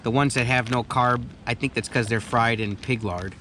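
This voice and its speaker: A man in his thirties hosts a relaxed, informal vlog conversation. His voice sits at a middling pitch, with faint noise in the background. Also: moderate pace. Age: 30s. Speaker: host. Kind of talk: casual vlog chat.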